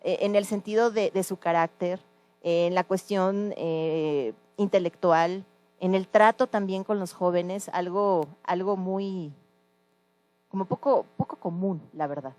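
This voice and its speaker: A woman's voice: on the low side, fairly even intonation, unhurried, darkish tone. A woman interviewing a former teacher, asking earnest questions with some hesitation.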